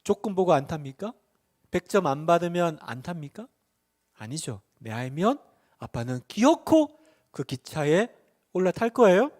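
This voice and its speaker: A man's voice: a little high, big pitch swings, moderate pace, a little mellow. A middle-aged male pastor preaching a sermon, firing rhetorical questions at the congregation and acting out the voices in his stories.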